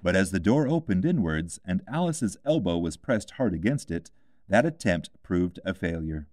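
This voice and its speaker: Low-voiced, expressive male audiobook reader. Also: normal speed, no room sound, clean studio sound. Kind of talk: scripted storybook narration.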